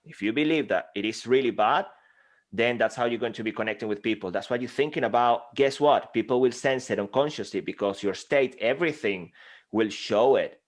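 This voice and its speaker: A man from Venezuela with a Venezuelan Spanish accent, a Spanish native speaker talking as a guest speaking coach in an interview, animated and passionate, acting out little dialogues. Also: medium pitch, fairly quick. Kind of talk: energetic interview conversation. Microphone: desk microphone.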